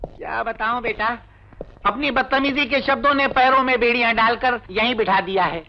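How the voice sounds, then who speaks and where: A man's voice: extremely high pitch, lo-fi sound. An actor playing a scheming, sarcastic village accountant and father in an old film comedy scene. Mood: fawning. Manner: sarcastic, fast-talking, full of quips. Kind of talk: 1980s film comedy acting.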